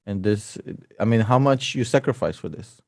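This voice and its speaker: A man's voice: lowish voice, lively intonation, moderate pace, a little mellow, dry recording, studio quality. A man chatting casually as an investor, joking, teasing and swearing freely. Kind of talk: casual chat.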